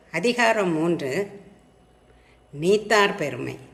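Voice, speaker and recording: A woman talks in a fairly low voice with very wide swings in pitch. Room echo is audible. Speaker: Tamil teacher. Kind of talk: reading aloud. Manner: clear.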